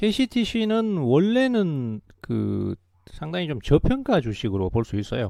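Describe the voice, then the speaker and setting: A man's fairly high voice with a dark, mellow tone, very wide pitch swings, and a very slow pace. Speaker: stock market analyst. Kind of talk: market commentary.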